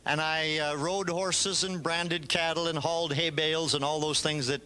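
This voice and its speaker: An older man from Canada preaching a sermon in short phrases, pausing for an interpreter, telling a personal story. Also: on the high side, steady tone, pushed and bright, clear, resonant tone.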